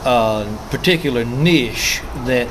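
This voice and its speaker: Earnest man interviewing over clear background noise. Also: mid-range voice, slow pace. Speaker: host of a pipe hobby channel. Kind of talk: conversational interview.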